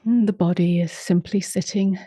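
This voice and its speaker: A woman leading a guided meditation in a soft, slow voice, humming between phrases and often trailing into a whisper. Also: on the low side, steady tone, dry recording, studio quality. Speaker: meditation teacher.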